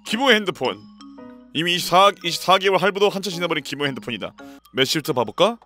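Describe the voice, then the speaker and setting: High bright-voiced excitable male streamer. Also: fast talker, faint music behind. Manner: excitable, loud outbursts and profane rants. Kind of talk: playing a dating game, reading messages aloud.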